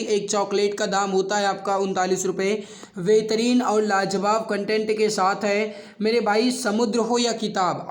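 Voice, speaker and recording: A man speaking as an online exam-prep teacher, addressing students familiarly with emphatic repetition. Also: sits high. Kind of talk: quiz lesson for exam students with promotional pitch.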